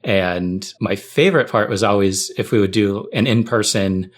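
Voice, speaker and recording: A man with a fairly low voice speaks in a casual, conversational way. He sounds like a podcast guest sharing anecdotes and practical thoughts. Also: normal speed. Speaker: tech writer, podcast guest.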